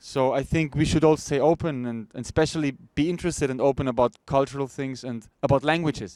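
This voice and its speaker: A man with a German accent talks at a very fast pace with fairly even intonation, the sound dry and close with no echo and the recording very clean with a silent background. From Switzerland. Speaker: actor. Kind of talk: interview. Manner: hesitant, many fillers.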